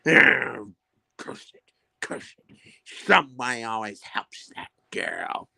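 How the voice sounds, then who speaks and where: A woman's voice: extremely low pitch, expressive, slow, gravelly, sharp tone, no room sound, clean studio sound, pitched below the performer's own voice, exaggerated voice. A woman voicing a scheming wicked witch who cackles and breaks into gloating shrieks.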